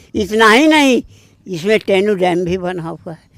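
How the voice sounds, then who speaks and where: Noticeable background noise sits behind a man's voice. His pitch varies in an ordinary way. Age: 70s. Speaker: retired teacher, protesting villager. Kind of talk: field interview.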